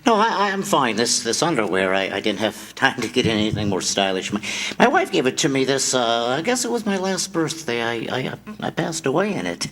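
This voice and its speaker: A man plays a kindly apprentice angel in a staged radio drama. He is fussy, polite and stammering, and his pitch swings around eagerly. He sounds bumbling and sweetly cheerful. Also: sing-song, fairly quick, hardly any pauses, fairly bright tone, low-quality recording. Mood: chatty, flustered. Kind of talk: staged 1940s radio play acting.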